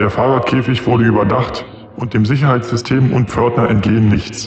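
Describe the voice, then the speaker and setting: A man's put-on character voice at medium pitch and moderate pace, with slight echo and clear background noise. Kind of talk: local radio advert. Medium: audio drama. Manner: brisk, salesy.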